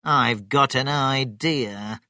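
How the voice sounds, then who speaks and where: A storybook narrator voicing an angry, excitable male farmer with a barking, forceful manner. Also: medium pitch, extremely slow, no room sound, studio quality. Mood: eager, excited. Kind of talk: children's storybook character voice.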